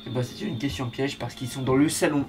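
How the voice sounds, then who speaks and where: A man's voice: medium pitch, fairly quick, soft background music. A man hosting a reaction video with casual, slangy, informal commentary.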